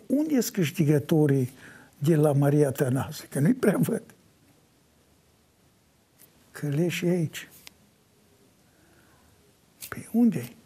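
An older man answering interview questions in an animated way, breaking into sung folk lines as he talks. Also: high voice. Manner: animated, sings folk lines mid-talk. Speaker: folk singer.

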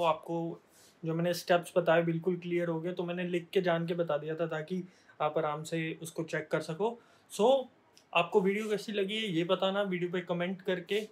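A man, speaking to camera at home and wrapping up his vlog. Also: high voice. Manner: steady, asks viewers to like and subscribe. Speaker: vlogger. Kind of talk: casual vlog outro to camera. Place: small room at home, indoors.

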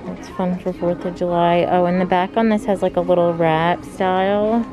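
In a laid-back shop-with-me clip, a young female fashion vlogger talks her way through a clothing store, saying "like" a lot. Her voice sits lowish with little pitch variation, at a normal speed. She records on a handheld phone camera while background music plays over her voice.

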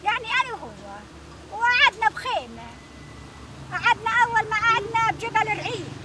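A woman's voice: very high-pitched, animated, fairly quick, recorded from a distance. An older woman with a Bedouin Arabic accent, telling about life in an interview outdoors. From Lebanon. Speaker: shepherd and farm worker being interviewed. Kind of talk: interview storytelling. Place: open field outdoors near a village. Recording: busy outdoor field recording, animal and traffic noise.

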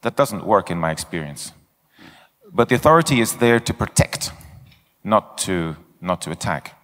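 A man's voice: low voice, fairly bright tone. A middle-aged man giving a conference talk on stage with a handheld mic, speaking bluntly and candidly with self-mocking asides. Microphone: handheld microphone. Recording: long hall reverb.

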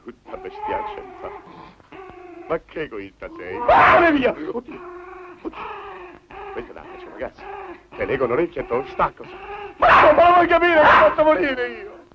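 An actor playing a fussy, self-pitying middle-aged bachelor who frets and wails to himself in a 1950s film comedy. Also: male voice, fairly high pitch, wildly swooping pitch, moderate pace, pauses often. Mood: panicky. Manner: whiny, fretful muttering to himself, swings to wailing complaints. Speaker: film character. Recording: dull old film soundtrack with faint hiss and music.

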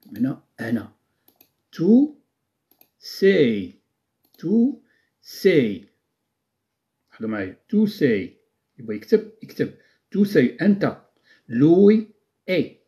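A man with a Moroccan Arabic accent leads a live-stream language lesson. His voice is warm and mellow, and his delivery is slow and unhurried but lively in pitch. He repeats each word several times, quizzes his viewers and praises their answers. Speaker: Italian language teacher.

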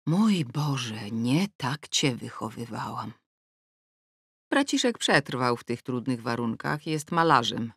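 Wry, expressive woman narrating an audiobook. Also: rumbling low, no echo. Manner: wry, ironic and expressive, with wide swings in tone. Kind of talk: first-person audiobook narration. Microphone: close studio mic. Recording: dry studio recording.

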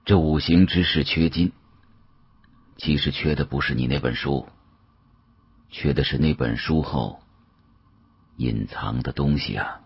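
Man playing a very deep, grave older official. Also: gravelly, husky, dry recording, lo-fi sound, full character voice. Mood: cryptic, sighing. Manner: slow, weighty, lecturing. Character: grave, knowing older male official, unhurried and cryptic.

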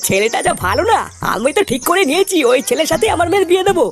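A high, lively cartoon voice of a gullible middle-aged father with a short temper. He blusters along quickly and crudely. Music runs underneath. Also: heavily acted. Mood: proud. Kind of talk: Bengali comedy cartoon dub. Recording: music behind the voice.

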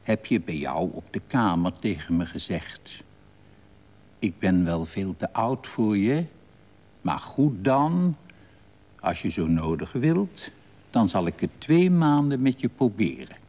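A man's voice: lowish voice, big pitch swings, slow pace, darkish tone, heavily acted. An older man reading the lines of a timid, nervous younger man, hesitant and jittery, on a reverberant old broadcast tape.

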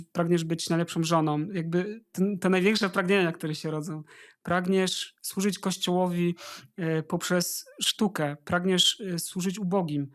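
A man giving informal spiritual advice as a guest, earnestly urging listeners and addressing them directly. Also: high voice. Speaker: interview guest, religious brother.

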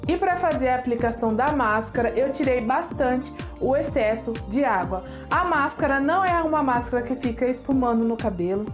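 High-voiced chatty woman reviewing hair products. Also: animated, moderate pace, hardly any pauses, over music. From Brazil. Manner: chatty and enthusiastic, jokes and laughs at herself. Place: small home studio with decorated shelves.

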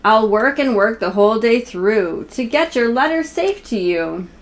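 A woman in her thirties with a fairly high voice reads a children's picture book aloud. She talks informally and straight to her young listeners, in the manner of a homemade story video. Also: expressive, measured pace. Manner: informal, self-interrupting, speaks directly to young viewers. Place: small room at home, indoors.

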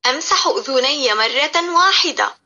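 A woman narrates a children's lesson in a high voice. She recites each step in a measured, clear way, and her tone is bright. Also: expressive, lo-fi sound. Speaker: teacher narrator. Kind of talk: scripted instructional narration for young children.

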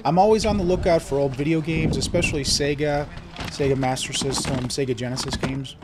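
A man's voice: on the high side, steady tone, fairly quick. Man, stuffed-up nasal voice, recovering from a cold, easygoing vlogger, noisy outdoor wind. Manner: easygoing and chatty. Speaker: flea market vlogger. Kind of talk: casual vlog narration.

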